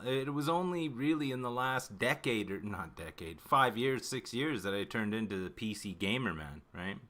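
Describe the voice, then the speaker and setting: Fifty-year-old man from Canada, livestream host, bright ringing voice, rambling casual chat, swears nonstop. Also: mid-range voice. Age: 50s. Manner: swears constantly, rambling and self-interrupting.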